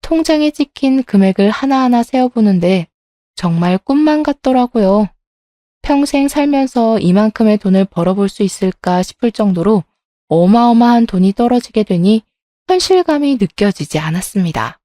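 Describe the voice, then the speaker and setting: Dark-voiced woman narrating a story. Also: on the high side, lively intonation, moderate pace, dry recording, clean studio sound. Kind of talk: scripted first-person story narration.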